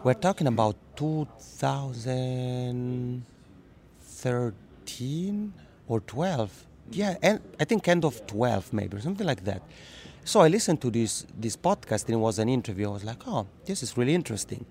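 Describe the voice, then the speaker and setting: A man from the Italian-speaking part of Switzerland, a native Italian speaker with a Swiss Italian accent, chats as a guest in a casual podcast interview. He's lively and laughs easily, often restarting and repeating words. His mid-range voice moves at a normal speed, with a little hiss or hum in the recording.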